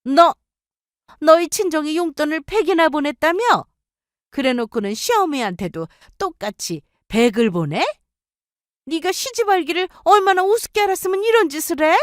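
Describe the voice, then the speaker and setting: A woman voicing a bullying older mother-in-law who scolds and yells, in a storytelling radio drama. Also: high-pitched, expressive, racing, hardly any pauses, no echo, clean studio sound, voice pushed up. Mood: scolding. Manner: scolding, yelling.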